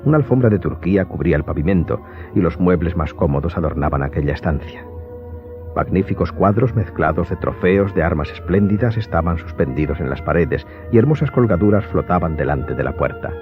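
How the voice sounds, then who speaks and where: A man with a deep voice narrates a dramatised story with wide, expressive swings and a sense of suspense. Music plays clearly behind him. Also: brisk. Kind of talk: dramatic scripted audiobook narration. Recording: dull recording under clear music.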